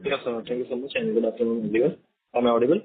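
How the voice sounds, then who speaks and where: A man's voice: mid-range voice, fairly even intonation, racing, noisy background. A man calling in as an investor, asking polite, formal questions. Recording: muffled, narrow phone line.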